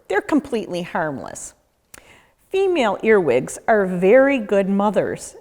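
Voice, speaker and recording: A woman narrates a children's nature book at an unhurried pace. Her mid-pitched voice rises and falls animatedly, with deliberate pauses for young listeners. The room adds a long, echoing reverb. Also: a little mellow. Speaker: nature educator reading a children's book aloud. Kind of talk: children's read-aloud narration.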